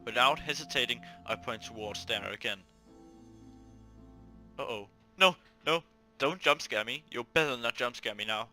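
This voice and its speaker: A man's voice: mid-range voice, moderate pace, pauses often, sharp tone, soft background music. A man hosting a gaming video, reading a visual novel aloud theatrically, stumbling over words and talking to himself between lines.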